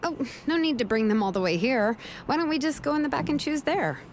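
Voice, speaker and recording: A woman voicing a brisk, coaxing young female craftsman in a game. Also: high voice, animated, slight background noise.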